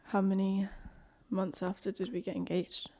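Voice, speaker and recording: A woman's voice: medium pitch, completely flat delivery, moderate pace, warm tone. A woman in her twenties, chatting casually with her fiancé. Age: 20s. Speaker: host's fiancée. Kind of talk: casual Q&A chat.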